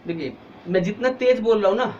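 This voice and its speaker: A man's voice: sits high, a little fast, dull audio, slight background noise. A male teacher giving an online exam-prep history lecture, explaining step by step and asking students questions, tired with a headache.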